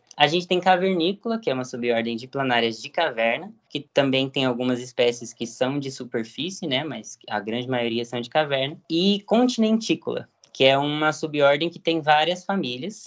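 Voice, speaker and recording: A man speaks at a moderate pace and fairly high pitch with lively intonation. His unremarkable speaking voice runs on with hardly any pauses. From Brazil, Paulínia near Campinas, São Paulo state. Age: 20s. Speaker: biology researcher on planarians. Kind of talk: podcast interview.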